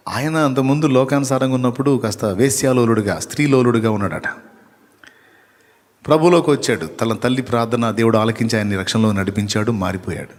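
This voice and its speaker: Man preaching to a congregation, quizzing and teasing them; medium voice carrying through a church hall with long reverb. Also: mid-range voice. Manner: lively, rhetorical questions to the congregation, teasing acted asides. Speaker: pastor. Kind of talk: live church sermon.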